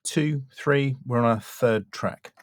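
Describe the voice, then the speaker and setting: A man's voice: mid-range voice, takes it slowly. A man giving a spoken critique as a voice-over coach, blunt but encouraging, with emphatic delivery. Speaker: voice-over demo coach and reviewer.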